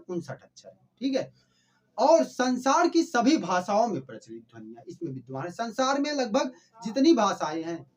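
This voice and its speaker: A man teaching a grammar lesson, who asks the class questions, answers them himself and repeats sounds slowly for them. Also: extremely high pitch, dull audio. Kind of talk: classroom lecture.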